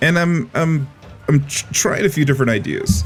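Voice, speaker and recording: Noticeable background noise sits behind the voice. The speech moves at a fairly slow pace. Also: man. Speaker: game YouTuber. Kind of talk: casual talk to camera. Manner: conversational, relaxed, with filler words.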